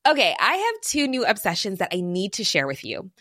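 Bright, lively woman pitching products. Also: a little fast, no echo, clean studio sound. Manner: chatty, enthusiastic. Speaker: advert presenter. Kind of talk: influencer-style scripted ad.

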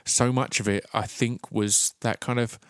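Male podcast host with a stutter, average pitch, halting delivery, recorded dry and close. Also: fairly even intonation, no room sound. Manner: halting, repeats sounds at word starts. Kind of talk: casual interview and reflective monologue.

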